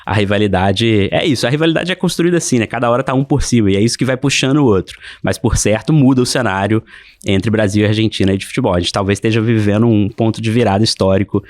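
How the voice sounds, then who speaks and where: A Brazilian man, a newspaper editor, answering questions in a podcast interview, quick and hesitant with repeated words. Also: fairly low pitch, a little mellow, no echo, clean studio sound. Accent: Brazilian Portuguese. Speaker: newspaper sports editor, guest.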